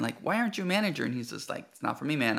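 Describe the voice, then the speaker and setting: With a Spanish accent, a man speaks in a bright, sharp tone on a very clean recording with a silent background. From rural Mexico. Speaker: software company president. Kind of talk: casual interview.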